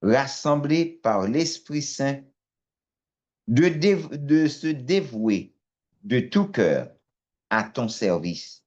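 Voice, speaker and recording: A man, a Catholic priest, speaking in a solemn, measured way in prayer and blessing, over lo-fi online call audio. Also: medium pitch, darkish tone. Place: online video prayer meeting.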